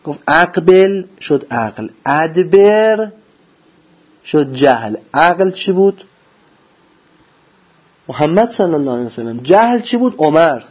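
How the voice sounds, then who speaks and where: A man delivers a religious lecture in a slightly high, husky voice. He preaches with lively rhetorical questions and answers each one himself. The recording sounds dull and lo-fi. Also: long pauses. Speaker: religious teacher.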